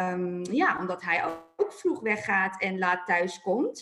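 A woman's raised, projected voice with very wide pitch swings and an enthusiastic tone at a fairly slow pace, music in the background. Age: 30s. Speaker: executive secretary. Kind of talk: interview.

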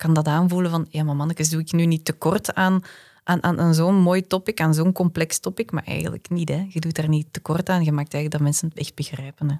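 An animated tone comes through a dry, close sound with no echo on a very clean recording with a silent background. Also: woman. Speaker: speaker coach. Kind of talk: casual chat. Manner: animated, talks with her hands.

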